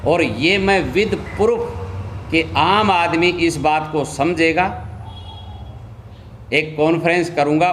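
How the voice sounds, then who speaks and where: A man with a fairly high-pitched, fairly bright voice speaks as a local politician and anti-corruption campaigner giving reporters a statement. He's insistent, repetitive, and accusatory.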